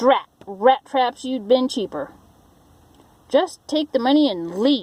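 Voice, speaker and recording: A female-sounding voice puts on a character voice, pitched high for a woman and delivered at a fairly slow pace. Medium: read story. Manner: irritable, blustering.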